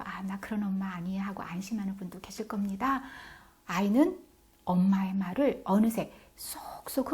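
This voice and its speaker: A middle-aged parenting educator offers advice to camera with emphasis, playing scolding mothers and slipping into whispered asides. Her voice is mid-range with a dark tone.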